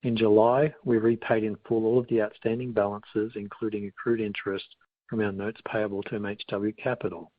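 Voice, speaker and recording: A man with a fairly low, very even voice delivers prepared financial remarks on an earnings call. His reading is formal and measured, with little melodic movement. The sound is narrow like a telephone line. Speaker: company finance executive. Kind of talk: scripted earnings call presentation. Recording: boxy phone-like line with room echo.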